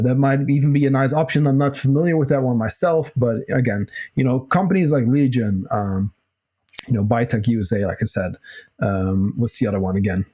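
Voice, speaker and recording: A man hosting a nutrition podcast, answering listener questions in a casual, loose way, a little hoarse, with plenty of fillers and the odd swear. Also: medium pitch, warm tone. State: slightly hoarse, clears throat. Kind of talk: casual solo Q&A talk.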